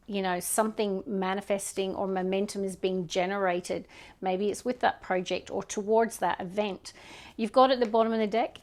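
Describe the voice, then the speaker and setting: A Scottish woman reads tarot cards in a friendly, chatty way, speaking straight into a microphone. Her voice is hoarse and fraying, with a gravelly rasp and plenty of fry. She keeps clearing her throat and pushes on, middle-pitched and reassuring. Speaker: tarot reader. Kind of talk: casual tarot reading to camera.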